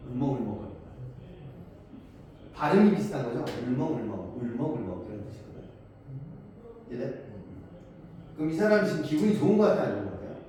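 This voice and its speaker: This lecturer's voice is on the high side and mellow, with big pitch swings, fast delivery, and long pauses. He teaches Korean poetry, explaining poems by asking his class questions and answering them on his own. The audio comes from a distance in an echoey room with faint noise.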